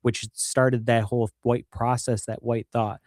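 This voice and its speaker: A man's voice: medium pitch, flat delivery, measured pace, darkish tone, dry recording, studio quality. Earnest man with a Michigan accent. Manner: earnest, repeats words when stressing a point. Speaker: guest. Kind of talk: earnest conversational interview.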